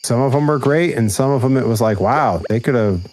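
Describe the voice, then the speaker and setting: A man from New England with a smooth voice, chatting casually with dry humor while playing a co-op game. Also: mid-range voice, brisk, background noise. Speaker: co-op gaming partner. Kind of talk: casual co-op gaming chat.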